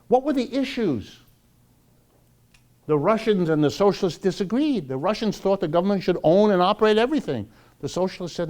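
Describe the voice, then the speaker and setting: A man speaks as a public lecturer, in a fairly high voice with a mellow tone. His pitch swings widely as he stresses points, asks rhetorical questions and pauses deliberately. The delivery is informal storytelling to a live audience. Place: live talk before an audience.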